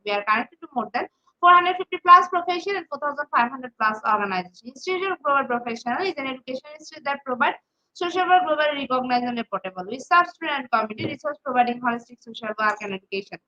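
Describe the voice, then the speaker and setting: A woman's voice: sits high, expressive, quick pace, bright, forceful tone. A woman with a Bangladeshi accent hosting a webinar, reading a scripted introduction in a formal, recited way with small stumbles. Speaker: webinar host. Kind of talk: scripted introduction read aloud. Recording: dull, lo-fi online webinar audio.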